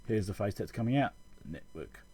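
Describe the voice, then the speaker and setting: Husky, mellow low-voiced man explaining casually. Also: animated, quick pace. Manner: informal, explanatory, thinking aloud. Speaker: electronics repair video host. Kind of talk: casual technical tutorial over schematics.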